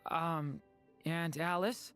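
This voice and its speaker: Hesitant boy dragon; slow, unsure delivery. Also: low-pitched, fairly even intonation, over music. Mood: timid.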